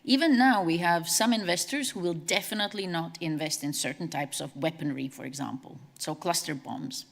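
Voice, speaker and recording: A woman from Latvia, giving a brisk, conversational conference presentation as a CEO. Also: lowish voice, creaky. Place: large conference hall. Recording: long hall reverb.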